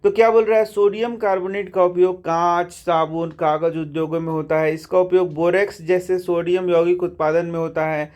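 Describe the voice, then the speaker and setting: Going through a science textbook line by line, a man teaches in a high-pitched, slightly mellow voice, with flat delivery, a moderate pace, and few pauses. Chatty in manner, he addresses his students as bhai (brother) and answers his own questions.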